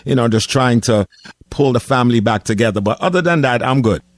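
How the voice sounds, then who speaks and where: A man hosts a casual radio interview in a studio. He talks in a laid-back way, dotting his questions with "uh" fillers. His voice sits at a middle pitch and sounds dry and close to the mic. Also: expressive, fairly quick, no room sound. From Jamaica. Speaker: radio host.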